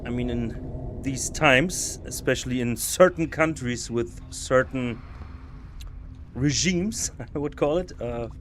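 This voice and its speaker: Streaming a stealth game live, a man thinks aloud and chats casually with his audience, frequently starting sentences over. He is a podcast host with a mid-range, somewhat bright voice who takes it slowly, and slight background noise can be heard.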